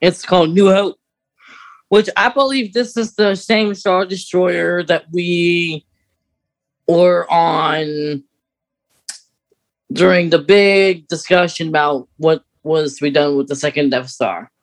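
A man's voice: high-pitched, takes it slowly. A man co-hosting a podcast, chatting casually and informally as an enthusiastic fan of sci-fi books. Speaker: podcast co-host.

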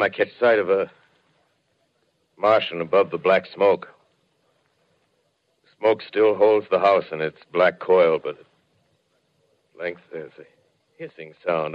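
Weary lone-survivor professor, low voice, brooding halting narration, old radio drama, dull recording. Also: male voice. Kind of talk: 1930s radio drama monologue.

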